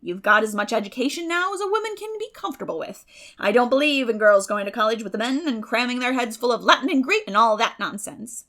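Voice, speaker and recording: Woman putting on a blunt, creaky village busybody. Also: on the high side, lively intonation, fast talker, pushed and bright. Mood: blunt, weary. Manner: emphatic, folksy, opinionated. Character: blunt, bustling, stout opinionated older village woman. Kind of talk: dramatic audiobook reading of a classic novel.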